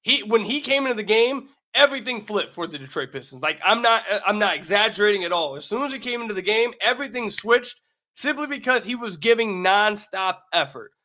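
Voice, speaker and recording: A man's voice: high voice, lively intonation, fairly quick, pushed and bright. An American man hosting a sports podcast, talking emphatically with repeated phrases, his voice slightly raggedy from being sick. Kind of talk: solo basketball commentary with sponsor read.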